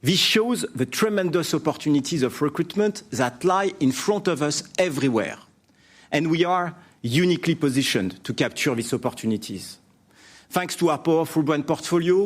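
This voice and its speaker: A man delivering a formal, prepared business presentation as a company executive, in measured scripted phrases. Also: a little high. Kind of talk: prepared earnings presentation speech.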